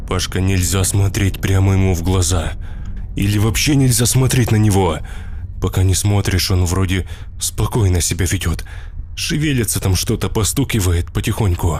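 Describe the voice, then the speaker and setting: Putting on a character voice, a man speaks at a moderate pace in a very deep, low, rumbling, shaky register, with very even loudness, long and frequent pauses, and clear background noise. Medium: read story. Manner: trembling, grumbling.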